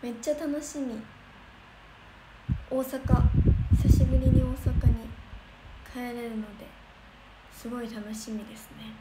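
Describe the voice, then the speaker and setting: A bubbly young woman from Kansai chats to her viewers, her voice sitting a little high. She rambles with lots of fillers and reads out comments. The room sounds echoey, with a clear hiss of noise behind her. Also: flat delivery, measured pace, long pauses. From Kansai region of Japan. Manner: chatty, bubbly, thinks aloud with many fillers. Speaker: idol livestreamer. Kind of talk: casual livestream chat reading comments.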